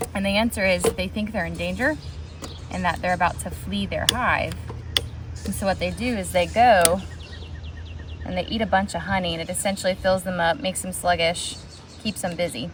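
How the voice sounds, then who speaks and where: A woman talks at a fairly quick pace, leaving long, frequent pauses. Noticeable background noise runs behind her. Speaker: homesteading vlogger. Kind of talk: casual vlog tutorial. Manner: loud.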